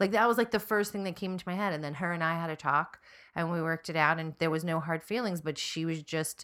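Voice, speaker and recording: A loud woman's voice, fairly low in pitch with ordinary pitch variation, on a very clean recording with a silent background. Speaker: podcast host. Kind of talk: casual banter podcast chat. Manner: loud, playful, profane.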